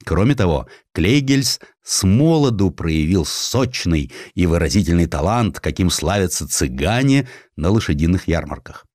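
A man reads literary historical satire as an audiobook narrator. His voice sits low and moves in lively swings, with an ironic, theatrical edge. The sound is dry and close. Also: moderate pace, few pauses, dry recording.

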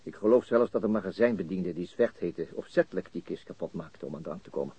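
Low, husky, shrewd police detective. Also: male voice, warm tone, dry recording. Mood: quietly insistent. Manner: measured, understated, probing. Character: calm, shrewd, methodical male police detective. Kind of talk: Dutch radio crime drama acting. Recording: muffled, dry radio drama recording.

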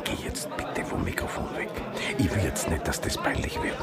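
An actor playing an embittered, stubborn gay activist in a German radio drama, with a rough, husky voice and emphatic delivery. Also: male voice, moderate pace, over loud music, over a noisy crowd, lightly acted. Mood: tense, refusing. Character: embittered, defiant gay activist man named Boris.

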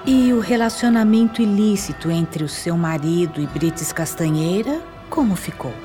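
An actress playing an analyst in a radio soap opera, questioning a patient in a measured, inquiring way. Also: female voice, fairly low pitch, music in the background, close to an everyday voice. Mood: inquiring, composed. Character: female analyst calmly questioning a regressed patient.

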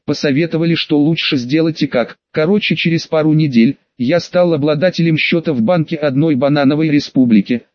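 A man reading a first-person audiobook in a calm, measured way. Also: fairly high pitch, dry recording. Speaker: audiobook narrator. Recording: dull, dry lo-fi recording.

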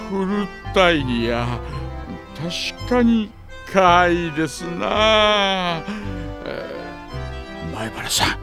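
A man playing a genial but sly middle-aged gentleman with an unctuous, formal, teasing manner in an anime audio drama. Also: high voice, very animated, very slow, over music, full character voice. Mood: bemused. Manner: unctuous, formal, teasing, chuckling old-fashioned phrasing.

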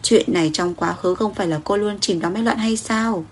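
A woman narrating a romance story in a steady, even reading. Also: medium pitch, moderate pace, slight background noise.

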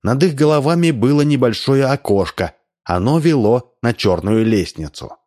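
A man narrating a story aloud in a lively, expressive reading. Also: medium pitch, normal speed. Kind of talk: audiobook reading.

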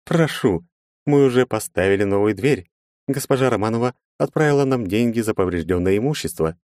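A man's voice: lowish voice, animated, a little fast, a little mellow, no echo, clean studio sound, pitched above the performer's own voice, close to an everyday voice. A man reading an audiobook voices a courteous young female administrator welcoming a guest. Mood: eager polite. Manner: eager and courteous.

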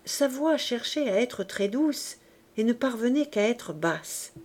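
A woman reading a classic novel aloud in a measured, unhurried narration. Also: a little high, animated, darkish tone. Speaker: audiobook reader. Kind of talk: audiobook narration.

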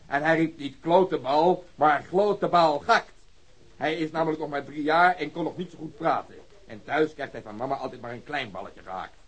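A man's voice: on the high side, moderate pace, slightly rough, rough recording. An actor playing a sarcastic, hot-tempered male police superior in a radio drama, questioning people with biting, coarse language. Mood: furious. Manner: sardonic interrogation, swearing. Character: sarcastic, irate male police detective, middle-aged superior.

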